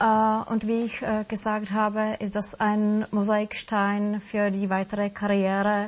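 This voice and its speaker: In a Czech accent, a woman of medium pitch speaks very slowly, somewhat breathy and with monotone, flat intonation. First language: Czech (speaking German). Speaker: diplomat. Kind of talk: panel discussion.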